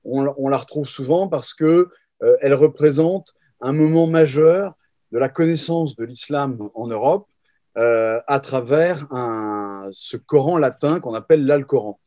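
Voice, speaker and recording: A man, a historian guest, explaining at length in an interview with frequent pauses, fillers and restarts. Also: medium pitch, dark tone, no echo. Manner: hesitant, many fillers and restarts. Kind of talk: interview answers.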